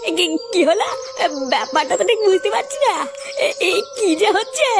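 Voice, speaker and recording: A woman voicing an excitable, anxious villager in a comedy cartoon, with an agitated, pleading delivery. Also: extremely high pitch, fairly quick, music in the background, heavily acted.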